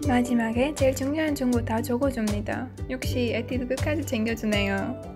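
High-voiced young woman narrating a vlog. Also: moderate pace, music in the background. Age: young adult. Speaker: beauty vlogger.

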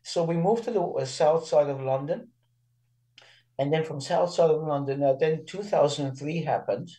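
A man in his sixties, born in Iran and raised with Persian and Armenian as his first languages, speaks as an interview guest. His voice is mellow and dark, and he talks earnestly and haltingly, restarting his sentences often. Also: a little high, low-quality recording. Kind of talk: casual interview.

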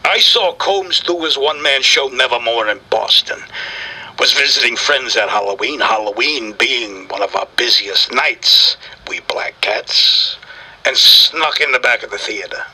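An actor voicing a grumpy, touchy black cat celebrity with a raspy voice, griping and wisecracking in slangy style in a comic audio interview. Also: male voice, mid-range voice, a little slow, bright, forceful tone, exaggerated voice, poor audio. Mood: sardonic griping. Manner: brash, slangy, sardonic showbiz griping.

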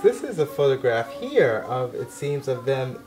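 A middle-aged man chats casually as the host of an interview. His voice sits at a medium pitch, and music plays clearly behind him. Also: big pitch swings, a little slow.

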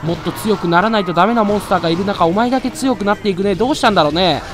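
A man giving excitable live gameplay commentary, loudly taunting and grumbling at the monster he is fighting. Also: high-pitched, racing. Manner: excitable, trash-talks the monster with rough taunts. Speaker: let's play commentator. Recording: loud game music behind voice. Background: game music.

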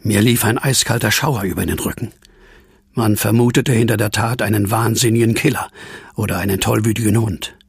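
A man acting in a German audio drama as an earnest, troubled former asylum inmate with a husky, gravelly voice. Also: fairly low pitch, fairly even intonation, fairly quick, dry recording, studio quality, exaggerated voice. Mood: haunted narration.

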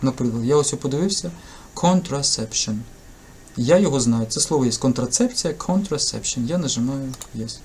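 A man who tutors English talks through a test task in a casual lesson, in a lively, chatty and jokey way. Ukrainian is his first language. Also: medium pitch, normal speed, slight background noise. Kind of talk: casual screen-recorded lesson commentary.

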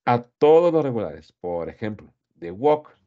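A man's voice: mid-range voice, very animated, a little slow, phone-quality sound. A man teaching English grammar in Spanish, who explains patiently and drills pronunciation by repeating each word several times.

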